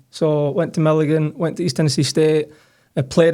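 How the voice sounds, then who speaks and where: A man with a Scottish accent talks at a very fast pace, his fairly high voice dark and mellow in tone. His intonation is monotone and flat, and the recording is very clean with a silent background. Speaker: college soccer head coach. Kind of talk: podcast interview.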